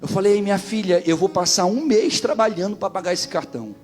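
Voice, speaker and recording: Brazilian male pastor, high-pitched, animated sermon delivery with shouted peaks, faint guitar bed. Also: a little fast. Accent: Brazilian Portuguese. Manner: animated storytelling, swings into shouting climaxes.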